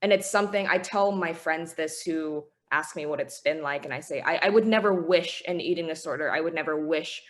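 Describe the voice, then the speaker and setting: A woman's voice: low voice, fairly quick, few pauses. A woman in her twenties, whose first language is Chinese, speaking earnestly and reflectively as an interview guest. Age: 20s. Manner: earnest, reflective, with small laughs. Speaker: guest author. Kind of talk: interview conversation.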